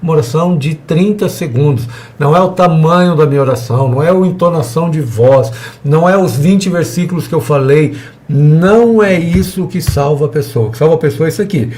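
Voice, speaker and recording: A man's voice: a little high, a little fast, darkish tone. A man teaching a church evangelism class in a conversational way, acting out little dialogues with the people he talks to. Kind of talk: church seminar lesson.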